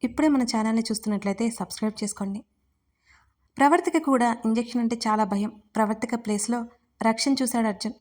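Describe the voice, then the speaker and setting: A woman narrating a serialized audio story in a steady, even storytelling manner. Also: a little high, quick pace.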